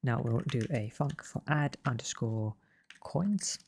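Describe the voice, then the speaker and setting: A man losing his voice, walking through a coding tutorial in a relaxed way and often correcting himself as he goes. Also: medium pitch, unhurried, creaky, slight background noise. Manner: relaxed, self-correcting explanations. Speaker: game development tutor. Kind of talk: screen-recorded coding tutorial.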